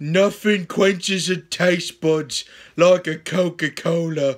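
A man puts on a cartoonish character voice, high-pitched and very slow. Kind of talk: comic overacting. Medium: puppet show. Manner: rambling, silly, mood swings.

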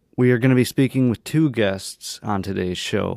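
A man with a normal speaking voice, moderate pace and fairly even intonation, with a dry sound with no echo and a quiet background. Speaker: podcast host. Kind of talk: podcast intro. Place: studio.

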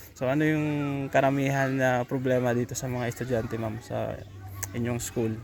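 A man speaks with a medium pitch. His intonation is monotone and flat. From Philippines, Negros (Calatrava). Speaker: vlogger doing charity outreach. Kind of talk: casual interview. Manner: halting, many fillers.

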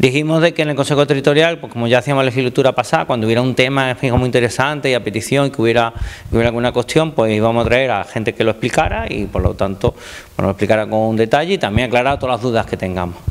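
A man speaks at a very fast pace. His pitch is medium. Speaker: district council chair. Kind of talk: meeting moderation. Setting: neighbourhood council meeting room. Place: meeting room. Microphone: handheld.

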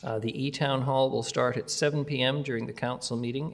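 At a very fast pace, a man speaks. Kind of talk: formal meeting announcements. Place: hall. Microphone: podium.

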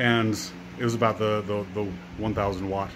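Over noticeable background noise, a man with a fairly low voice speaks in a flat monotone. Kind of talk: casual tutorial commentary. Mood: annoyed, complaining about seller. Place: garage. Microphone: phone near.

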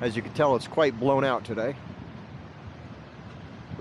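A man is heard on a dry recording with no echo. Noticeable background noise runs under his voice. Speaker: fishing vlogger. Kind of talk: casual vlog chat. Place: beach. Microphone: phone near.

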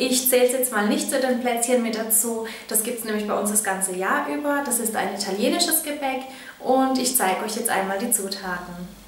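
In a room with audible echo, a woman speaks at a fairly quick pace with ordinary pitch variation. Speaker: baking channel host. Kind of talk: tutorial. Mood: friendly, calm. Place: kitchen.

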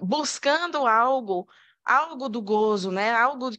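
Over a quiet background, a woman speaks at a fairly high pitch with lively intonation. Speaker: psychoanalysis institute associate; presenter. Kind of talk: reading a prepared paper. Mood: calm, explanatory. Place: classroom. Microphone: podium.

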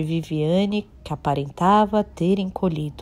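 A woman speaks in a dramatic tone at a very slow pace, her voice dark and mellow. Her intonation is lively. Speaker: audiobook narrator. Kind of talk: dramatized audiobook narration, reading a fantasy novel aloud. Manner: dramatic, expressive, shifting voices for characters.

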